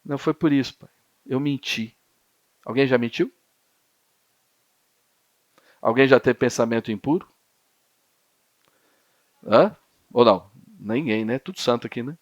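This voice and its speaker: A man's voice: mid-range voice, normal speed, pauses often, dry recording, lo-fi sound. A man with a Brazilian Portuguese accent preaching a youth sermon, acting out dialogues and rousing the crowd to call back. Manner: lively, acts out dialogues, rouses the crowd to shout.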